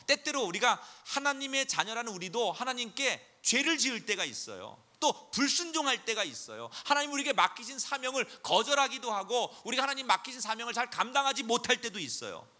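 A male pastor giving a sermon in an animated, storytelling manner. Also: very high voice, a little fast, hardly any pauses. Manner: animated storytelling preacher, acts out voices.

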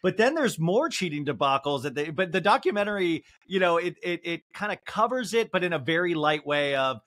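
A man in his forties hosting a casual pop culture podcast over a video call from home, talking animatedly and joking. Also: fairly quick. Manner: animated, jokes, mimics celebrities in a high voice. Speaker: podcast host. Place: home room. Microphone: video call with earbuds.

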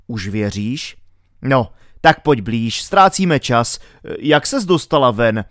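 A steady, level-headed starship captain played by a man reading aloud speaks in an even, reassuring tone. His delivery rises and falls with lively intonation. The sound is close and dry. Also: mid-range voice, no echo. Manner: calm and reassuring. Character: calm steady adult male spaceship captain.

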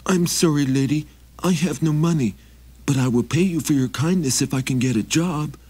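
A man voicing a poor, ragged young reindeer trainer who pleads politely in a high, quick, tumbling voice. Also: expressive, a little mellow, husky. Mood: pleading. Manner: pleading, fast tumbling words.

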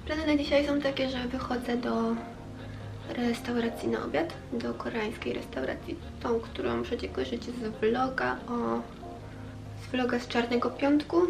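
A woman's voice: fairly high pitch, vocal fry. A woman in her twenties with a congested, pinched-sounding nose from a cold, chatting casually to camera in speech. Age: 20s. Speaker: vlogger. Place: small bedroom, indoors. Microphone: camera a short distance away on a bed.

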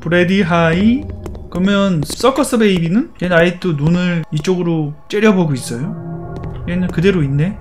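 A man's voice: on the high side, a little mellow. A man playing a horror game and commenting, teasing the characters in playful chatter. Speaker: gaming YouTuber.

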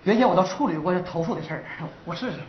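A man's voice: high voice, expressive, very fast, a little hiss or hum. A young man, playing a brash, boastful boyfriend in a stage comedy sketch. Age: young adult. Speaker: daughter's boyfriend. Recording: roomy, dull stage recording.

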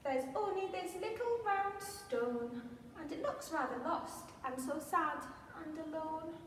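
A woman voicing a lonely, eager little bear cub with a high, pleading, gentle voice. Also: slow, a little hiss or hum. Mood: wistful. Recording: echoey hall, from far off.

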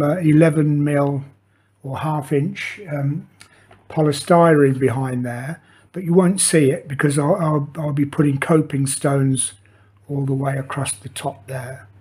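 Hobby tutor, older man, husky voice, unhurried and halting. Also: fairly high pitch, darkish tone. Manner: hesitant, many fillers and restarts. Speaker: model maker demonstrating. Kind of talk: hobby tutorial, casual talk while working. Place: indoor workshop table.

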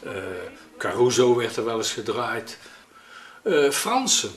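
An elderly man, recalling memories in a hesitant, pausing, conversational way. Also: mid-range voice, very animated. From Netherlands. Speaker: interviewee recalling his childhood. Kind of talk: spoken reminiscence in an interview. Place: living room at home, indoors. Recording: roomy echo with faint noise.

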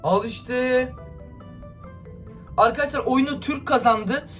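A man's voice: very high-pitched, takes it slowly, a bit bright, soft background music. A man giving gameplay commentary to his viewers, irritated and ranting, hurling insults at another player. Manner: talks straight to viewers. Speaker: gaming YouTuber.

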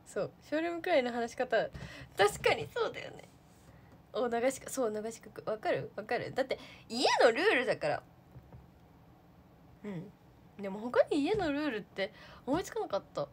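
Lively, high-voiced young woman chatting on a livestream. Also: normal speed, long pauses, a little hiss or hum. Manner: chatty and giggly, with lots of fillers. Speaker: idol trainee livestreamer. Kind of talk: casual livestream chat reading viewer comments.

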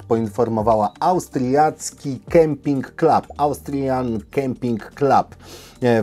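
A man hosts an informal news show in a dark, relaxed voice at a medium pitch. He talks straight to his viewers and gives his opinions freely, often pausing mid-phrase to find the next word. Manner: opinionated, addressing viewers directly. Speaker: host of a camping news show.

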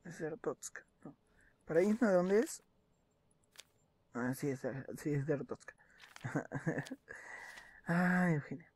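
A man's voice: on the high side, animated, slow, long pauses, darkish tone, slightly rough. A young man, commenting on a game as he plays, muttering and reading documents aloud with joking asides. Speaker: gaming video host. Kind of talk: gameplay commentary.

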